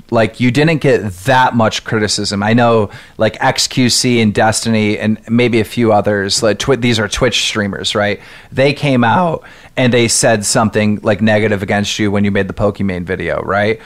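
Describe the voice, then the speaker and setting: A man's voice: lowish voice, normal speed. A man hosting a podcast, arguing hard and swearing as he confronts a guest. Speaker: podcast host. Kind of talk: heated podcast debate.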